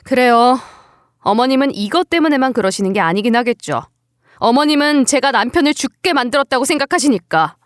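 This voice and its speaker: A woman's voice: high-pitched, animated, brisk, no room sound, clean studio sound. A woman voicing a wounded, defiant young daughter-in-law. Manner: pleading, tearful defiance. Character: young widowed daughter-in-law, hurt but standing up. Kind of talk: dramatized story reading.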